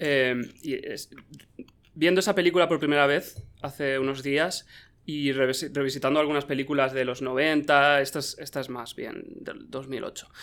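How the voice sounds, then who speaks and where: With an unremarkable speaking voice, a man talks at a fairly high pitch with fairly even intonation. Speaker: podcast host and film journalist. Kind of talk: casual interview chat.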